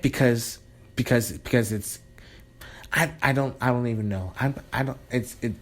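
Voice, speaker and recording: A man talking in a rambling, sarcastic monologue, often breaking off and restarting. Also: medium pitch. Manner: rambling, sarcastic, self-interrupting with laughs. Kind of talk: casual monologue.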